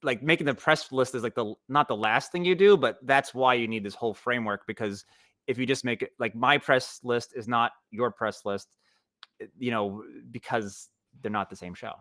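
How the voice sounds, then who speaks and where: Man on a panel, halting delivery. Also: medium pitch, fairly bright tone, no echo, clean studio sound. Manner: halting, restarts thoughts repeatedly. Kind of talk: casual panel discussion.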